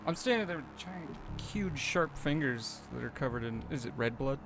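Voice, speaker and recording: Creaky-voiced man playing a tabletop game. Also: mid-range voice, animated, moderate pace, a bit bright, poor audio. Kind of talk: casual chat. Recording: faint background noise.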